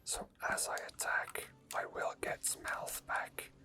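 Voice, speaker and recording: A person whispering soft, breathy ASMR commentary over video gameplay, explaining each step as it is done. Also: a little slow. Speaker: video game streamer.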